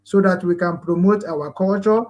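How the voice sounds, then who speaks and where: Earnest Igbo-accented man hosting, high voice. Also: moderate pace, a little mellow. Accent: Nigerian Igbo. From Nigeria, Igbo land. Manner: rambling and earnest, many fillers and restarts. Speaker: host. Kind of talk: online talk show hosting.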